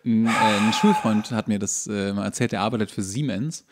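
A man's voice: on the low side, moderate pace. A man co-hosting a podcast in casual conversation, agreeable and often affirming his partner. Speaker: podcast co-host.

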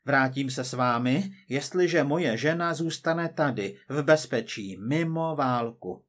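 Guy voicing a calm tired scientist on the run, steady and plain, audiobook story. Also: mid-range voice, lightly acted. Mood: resigned.

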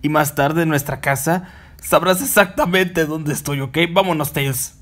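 A man's voice: a little high, unhurried, fairly bright tone. A man voicing a grumpy, sarcastic teenage hedgehog hero in a cartoon, sounding exasperated. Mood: annoyed, determined.

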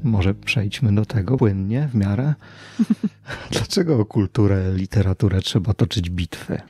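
A man's voice: fairly low pitch, lively intonation, measured pace, dark tone, husky, dry recording. A man hosting a conversational interview, putting questions and reflections to his guest. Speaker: podcast host, interviewer.

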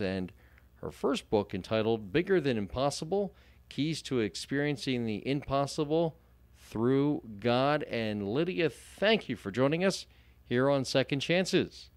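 A male host opens a Christian radio show in an emphatic, preacherly way, stacking repeated phrases. His voice sits at a middle pitch. The studio sound is dry and close. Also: dry recording.

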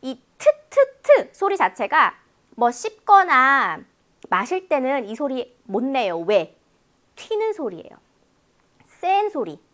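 High lively woman teacher doing an exam prep lecture, acts out sounds big for students. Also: takes it slowly, pauses often. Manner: animated, demonstrative, exaggerates sounds for students. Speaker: English listening teacher.

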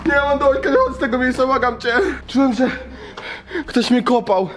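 Agitated young man, loud music. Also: very high-pitched, fairly even intonation, a little fast. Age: young adult. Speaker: vlogger. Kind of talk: staged spooky adventure vlog. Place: abandoned concrete ruins.

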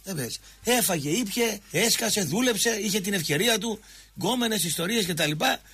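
Fired-up husky-voiced Greek man ranting. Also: high voice, animated, sharp tone. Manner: impassioned, repetitive, jabbing at a co-host. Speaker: radio show host. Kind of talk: heated radio talk-show rant.

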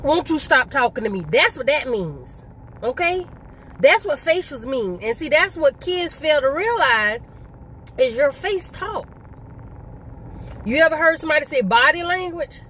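A middle-aged woman talks casually to her viewers in a fairly high voice. She makes her points emphatically, repeating herself and asking rhetorical questions. There is noticeable ambient noise behind her, like the sound of a vehicle or outdoors. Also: sing-song, measured pace, pauses often, fairly bright tone, rough recording. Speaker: vlogger. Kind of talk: casual mukbang conversation, storytelling.

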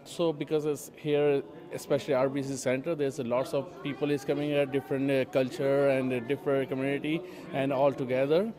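A man from Pakistan giving a halting, cheerful street interview at a celebration. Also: medium pitch, flat delivery, a crowd in the background.

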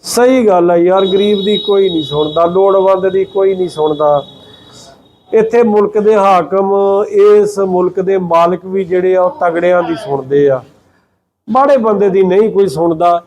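A man reporting from a village, his voice pitched fairly high for a man. He speaks earnestly, questioning the family and appealing to donors for help. A faint hiss of noise and outdoor ambience sit under his voice. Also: measured pace, a little mellow, highs cut off. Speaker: field reporter. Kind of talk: field news report and interview.

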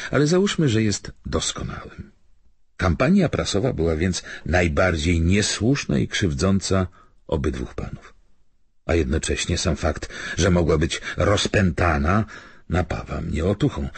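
A man acts out a young, cultured gentleman from an audiobook novel. The voice is very low and husky. He argues in a polished, self-assured, philosophical manner. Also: dry recording, exaggerated voice. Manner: polished, argumentative, rhetorical.

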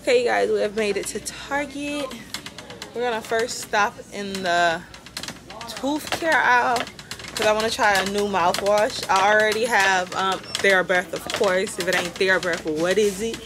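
Holding her phone at arm's length, a young adult woman chats to her vlog audience in a medium-pitched voice at a moderate pace. She's talkative, says y'all to viewers, and laughs a lot, though her voice is slightly raspy from concert yelling. The recording picks up background noise first in a car, then in a store.

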